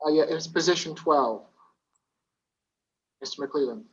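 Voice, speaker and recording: A man's voice: fairly high pitch, unhurried, fairly bright tone, husky. A man serving as judge, asking brief, matter-of-fact questions over a video call. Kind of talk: presiding over a court hearing. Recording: dull lo-fi call audio.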